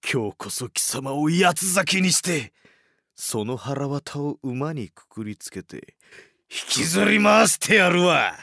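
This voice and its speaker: A man playing a vengeful, sadistic sword-fighting villain with a menacing, drawn-out delivery, anime-style. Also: on the high side, big pitch swings, vocal fry, sharp tone, dry recording, studio quality, full character voice. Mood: gloating, vengeful. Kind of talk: anime-style dramatic acting.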